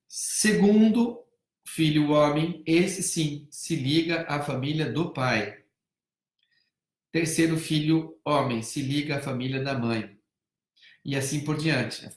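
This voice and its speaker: A Brazilian family counselor gives a live-stream talk in Brazilian Portuguese, his voice on the high side and his pace slow, with a reverberant sound. He's animated, swinging from loud emphasis to soft, hushed tones, and acts out dialogue as he tells stories.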